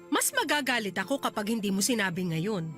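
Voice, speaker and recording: A woman's voice: mid-range voice, animated, a little fast, fairly bright tone, faint music behind, lightly acted. A woman playing a young wife in a radio drama, heated and scolding. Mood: angry. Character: angry young wife, sharp and confrontational.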